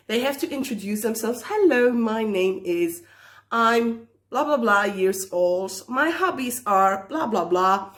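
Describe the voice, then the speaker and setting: Woman, kinda high voice, chatty teacher with lots of ums. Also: a bit bright. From Belgium. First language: Dutch. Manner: friendly, chatty, lots of ums and small laughs. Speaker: teacher, guest creator. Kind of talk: casual video message.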